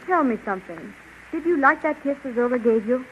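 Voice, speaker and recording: A devoted young heroine of a 1930s adventure serial, sweet and easily frightened. Her voice is very high. The vintage radio recording is dull with faint noise. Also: lively intonation, fairly quick. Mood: tender.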